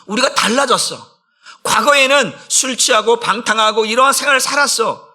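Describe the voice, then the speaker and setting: A man's voice: very high voice, moderate pace, sharp tone. A middle-aged man, a senior pastor, giving an emphatic dawn prayer sermon and acting out friends' taunts in casual speech.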